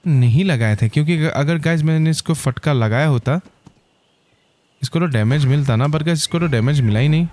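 A man hosting his gaming channel, giving excitable gameplay commentary and calling out to his viewers constantly. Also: a little high, slight background noise. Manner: excitable, keeps saying "guys".

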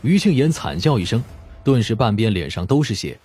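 A man's voice: lowish voice, sing-song, brisk, a little mellow, breathy edge. A man reading a dramatic scripted audiobook narration.

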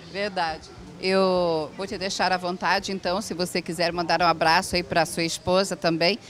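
A woman's voice: lowish voice, little pitch movement, normal speed. A middle-aged woman, hosting a variety show, chatty and affirming while interviewing at an indoor event stand on a handheld mic.

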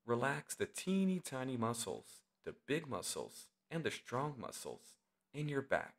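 A man leading a guided meditation as the instructor, speaking in short, deliberate phrases with long pauses. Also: medium pitch, huge pitch swings.

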